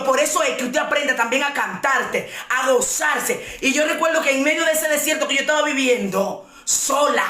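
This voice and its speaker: A woman preaching a passionate sermon, often shouting and repeating her lines for emphasis. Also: high-pitched, roomy sound. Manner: impassioned, shouting preaching with repetitions. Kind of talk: fiery sermon.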